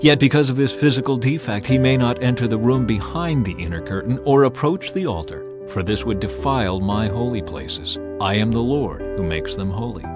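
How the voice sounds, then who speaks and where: A man narrating scripture as a dramatized audio reading, solemn, measured and authoritative in his delivery. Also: mid-range voice, expressive, over music. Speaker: Bible narrator.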